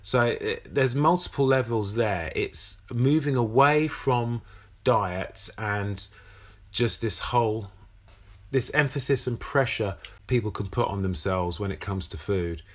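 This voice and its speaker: A man with a fairly low voice hosts a podcast conversation. He is supportive of his guest and hesitates now and then with fillers and restarts. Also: measured pace. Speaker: podcast host. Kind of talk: casual conversational interview.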